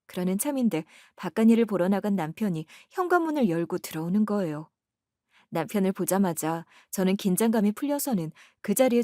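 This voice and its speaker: A woman's voice: medium pitch, a little mellow, dry recording, clean studio sound. A woman telling a true-life family story in the first person, in scripted narration.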